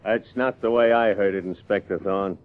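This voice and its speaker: A man's voice: fairly low pitch, fairly even intonation, normal speed, dry recording, lightly acted. A man playing a plainspoken, deferential police sergeant sidekick in a 1950s-style radio mystery, casual and folksy. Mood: skeptical. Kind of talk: 1950s detective radio play acting. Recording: thin phone-like lo-fi radio sound.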